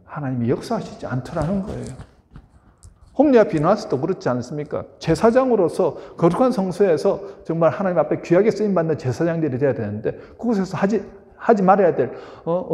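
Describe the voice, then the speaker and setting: A male pastor delivers a sermon with a somewhat high, very animated voice that rises and falls as he presses the congregation with questions. His words carry a long reverb from the church sanctuary around him. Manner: emphatic preaching with rhetorical questions to the congregation.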